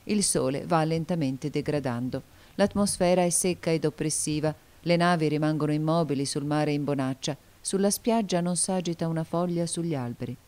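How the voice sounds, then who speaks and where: A woman narrating a classic novel as an audiobook, calm, even and measured. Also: low voice.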